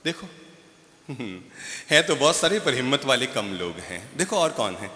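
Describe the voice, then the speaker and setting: A man's voice: mid-range voice, big pitch swings, measured pace, pushed and bright. A man preaching a live sermon in a large stadium, playfully coaxing people from the audience and quizzing them. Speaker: spiritual preacher. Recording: echoey stadium hall reverb.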